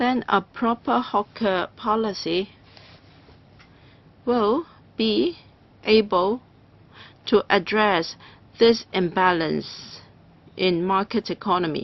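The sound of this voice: A woman speaks slowly with long, frequent pauses and vocal fry. Her medium-pitched voice has ordinary pitch variation.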